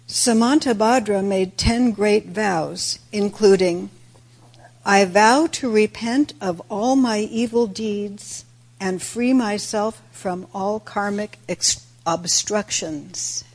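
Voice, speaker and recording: A woman delivers a reflective Buddhist talk at a very slow pace. Her voice is raspy and creaky, and she sets out each phrase deliberately. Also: medium pitch, a little mellow. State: raspy voice today with throat clearing. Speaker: Buddhist teacher giving a dharma talk. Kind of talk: sermon, reflective religious talk.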